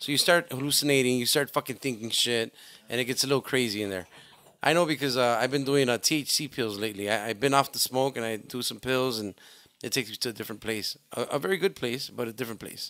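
With an American accent, a man talks at a very fast pace in a bright, sharp tone with ordinary pitch variation, the sound dry with no echo. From Chicago, US. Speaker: podcast host. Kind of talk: casual chat. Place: studio. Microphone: studio mic.

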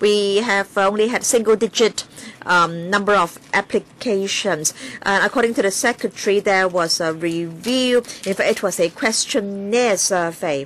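A woman speaks at a medium pitch with a fairly bright tone. Her pace is moderate, with ordinary pitch variation and few pauses.

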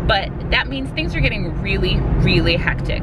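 A woman's voice sounds dry with no echo against loud background noise. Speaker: family vlogger. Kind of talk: casual vlog chat. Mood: excited, a bit hectic. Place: car.

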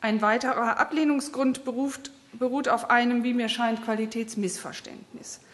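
A woman talks at a moderate pace, her intonation fairly even. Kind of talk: formal speech. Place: hall. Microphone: podium.

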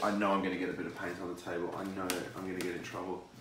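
Loud background noise and audible room echo fill this recording. A man talks at a very fast pace. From Australia. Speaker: guitarist and touring musician. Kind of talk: casual video tutorial. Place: home room. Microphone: phone near.

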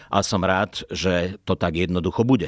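A man speaking at a fairly slow pace, dry sound with no echo, quiet background. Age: 50s. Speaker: former labour minister and tax expert; former labour minister. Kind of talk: interview. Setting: studio. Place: studio. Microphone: studio mic.

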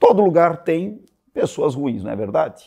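A man against a quiet background. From southern Brazil, Santa Catarina (Jaraguá do Sul); Santa Catarina, Brazil. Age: 30s. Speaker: local politician; newly elected councillor. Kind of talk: interview. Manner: halting, many fillers; emphatic, speech-like. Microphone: lapel.

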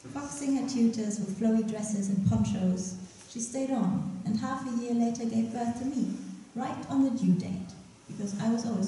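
There is strong room echo around a woman's voice. She speaks at a moderate pace with ordinary pitch variation. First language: not English. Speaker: poet. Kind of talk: poetry reading. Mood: gentle, warm, smiling. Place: stage.

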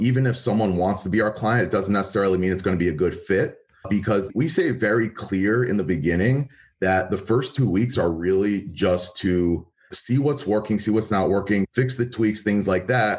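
With a New Jersey accent, a man speaks at fairly low pitch with ordinary pitch variation and very even loudness over a quiet background. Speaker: entrepreneur, sales and lead generation expert. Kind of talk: interview answer. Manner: fast-talking.

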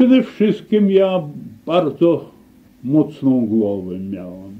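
A man speaks very slowly in an eastern Polish borderland accent. His fairly high voice swings very widely in pitch. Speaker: sculptor and academic teacher. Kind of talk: interview answer, reminiscence.

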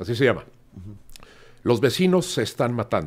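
A man speaks at a fairly slow pace with vocal fry and very wide pitch swings. The background is quiet. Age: 50s. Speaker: chef; guest. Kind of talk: casual chat. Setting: restaurant. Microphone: studio mic.

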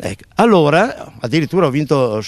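A man's pitch swings very widely in a dry recording with no echo. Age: 70s. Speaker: extreme cyclist. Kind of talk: interview. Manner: animated. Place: open country. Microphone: handheld.

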